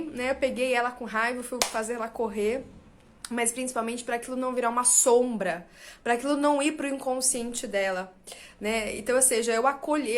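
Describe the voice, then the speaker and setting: A woman in her thirties with a Brazilian Portuguese accent, an astrologer talking casually and openly to her viewers, confiding and animated, often checking in with little tag questions. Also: sits high. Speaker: astrologer and channel host. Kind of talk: casual personal talk to viewers.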